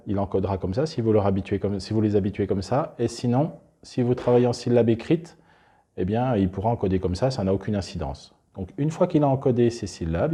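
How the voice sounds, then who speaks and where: A man demonstrating classroom reading materials, explaining step by step in a relaxed, unscripted way with small restarts. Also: lowish voice, breathy edge. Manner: unscripted, restarts, talks while handling materials. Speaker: presenter demonstrating a teaching method.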